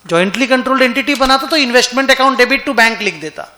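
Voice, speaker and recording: A man's voice: extremely high pitch, fast talker, pushed and bright. A man teaching an accounting class in a conversational way, often stopping to ask his students whether they follow. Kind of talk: classroom lecture. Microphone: online class recording.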